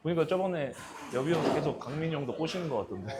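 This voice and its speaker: A man's voice: a little high, lively intonation, quick pace, noisy background. A male bodybuilder and channel host chatting politely between sets at the gym, asking questions and chuckling often.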